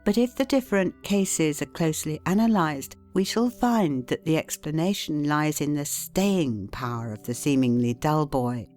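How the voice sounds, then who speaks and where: A woman with a notably low voice reads an old self-help book aloud as an audiobook. She takes her time and leans on key words with steady pauses. Soft instrumental music plays quietly under her. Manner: measured, deliberate reading with emphatic pauses. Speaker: audiobook narrator. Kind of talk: scripted narration of a classic self-help book.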